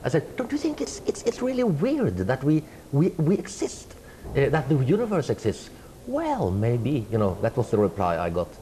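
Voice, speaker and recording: A man's voice: mid-range voice, normal speed, slight background noise. A middle-aged Norwegian man with a Norwegian accent, answering interview questions thoughtfully with many hesitations. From Norway. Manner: hesitant, many fillers and restarts, animated hand gestures. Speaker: interviewed writer. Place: indoor room with tapestry wall.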